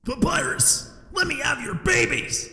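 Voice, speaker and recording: A man's voice: extremely high pitch, a little slow, pushed and bright, full character voice. A man voicing an overexcited, shamelessly flirty fan in an echoing comic dub. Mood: lovestruck. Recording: echoing, reverberant, distant.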